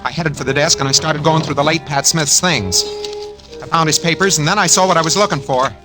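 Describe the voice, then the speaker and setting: A man's voice: fairly high pitch, fairly quick, close to an everyday voice. An actor playing a nervous, scheming man who narrates his own story in tense, hard-boiled style in a 1940s radio drama. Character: nervous scheming man posing as someone else. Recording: old radio broadcast with music.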